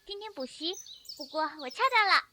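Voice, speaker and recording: A woman's voice: sits high, lively intonation, fairly quick, pushed and bright, slight background noise, heavily acted. A woman voicing a cheerful, eager young country girl in a visual novel, chirpy and friendly.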